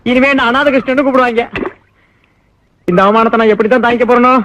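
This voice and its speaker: A man's voice: extremely high pitch, steady tone, fast talker. An actor playing a timid, idle village man who jokes and pities himself in wry, self-mocking banter, in a dull film recording with music behind. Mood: self-pitying. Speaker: comic lead actor. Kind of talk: 1990s film dialogue.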